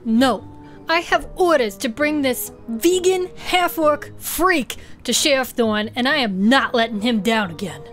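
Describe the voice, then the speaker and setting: Woman acting high-pitched nervous deputy guy. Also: animated, unhurried, a bit bright, faint music behind. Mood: defiant. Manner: jittery, self-coaching bravado. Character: nervous young male deputy, blustering and cowardly.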